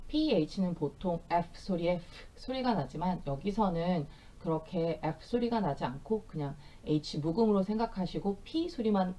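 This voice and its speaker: A middle-aged woman teaching Bible verses in English with explanations, speaking gently with soft fillers and reading verses slowly for repetition. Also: lowish voice. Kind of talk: bilingual scripture lesson with slow repetition drills.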